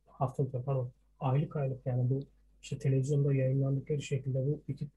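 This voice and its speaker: A podcast co-host with a medium-pitched, warm voice and a breathy edge joins a casual discussion of wrestling history. Speaking Turkish he admits is poor, he often searches for words and slips in English terms.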